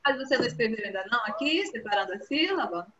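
A bright, fairly high Brazilian woman teaching a class of young children, coaxing them patiently and drawing out each word. Her voice rings in an echoey room. The video-call sound is dull and muffled. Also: very animated, quick pace. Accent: Brazilian Portuguese. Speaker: primary school teacher.

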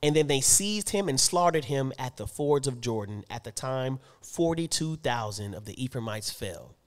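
A man co-hosting a casual theology podcast, reading scripture aloud and riffing on it with laughter and loud emphatic bursts. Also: mid-range voice, animated, moderate pace. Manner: reads scripture aloud then riffs on it. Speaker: podcast co-host.

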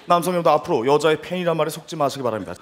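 A man's voice: on the high side, animated, racing. A man narrating a sketch comedy segment in a mock-serious tone, asking rhetorical questions with laughing asides. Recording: live studio stage with audience and noise. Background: audience crowd.

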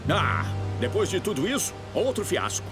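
A man's voice: high-pitched, wildly swooping pitch, normal speed. A Brazilian man playing a scheming, self-important TV show producer with a dramatic manner in a cartoon dub. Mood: flustered, indignant. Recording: loud music behind voice.

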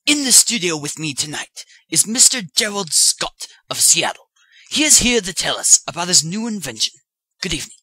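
A man acting out a male radio interviewer in an audio comedy sketch, with a very bright, high-pitched voice. His delivery swings widely in pitch, staying formal and drily skeptical. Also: big pitch swings, normal speed, breathy edge, dry recording, exaggerated voice, rough recording. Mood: formal welcoming. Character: male radio show host, polite but increasingly exasperated and dry. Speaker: radio presenter.

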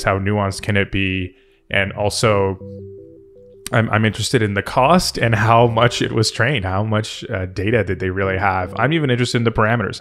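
A tech video host who is also a software developer offers casual, off-the-cuff commentary, hesitating as he thinks aloud. His voice is fairly low in pitch and a bit bright, and music plays in the background.

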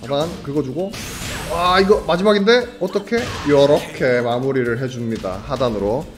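A young man giving live fighting game commentary, chatty and excitable, joking with viewers between quick reactions to the action. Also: mid-range voice, faint music behind. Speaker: esports commentator.

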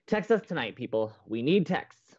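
An actor playing a moody, theatrical young college radio co-host in a romantic comedy podcast, a hopeless romantic. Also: male voice, medium pitch, sing-song, normal speed, a little mellow, husky, muffled recording. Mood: sulky, subdued. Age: young adult.

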